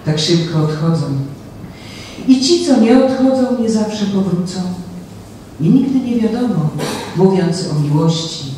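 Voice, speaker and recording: A middle-aged woman reciting poetry in a slow, measured, solemn way on a small stage with a handheld mic. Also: medium pitch, lively intonation, mellow, slight background noise. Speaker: poetry reader. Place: small venue on a stage before an audience. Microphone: handheld mic, from a distant camera. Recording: very echoey room heard from far off.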